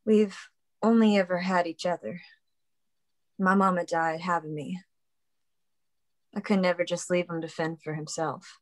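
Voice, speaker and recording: A woman's voice: on the low side, fairly even intonation, unhurried, pauses often, lightly acted. A woman playing a plain-spoken, teasing young coal-town woman in a dramatic table read. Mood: tender, resigned.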